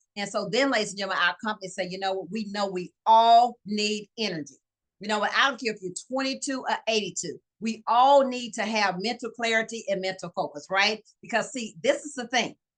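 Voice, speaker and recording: Spoken at a fairly quick pace, this voice has an animated tone and a Southern US accent. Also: woman, fairly high pitch for a woman, ordinary pitch variation. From Louisiana. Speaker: network marketing presenter. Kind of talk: sales pitch.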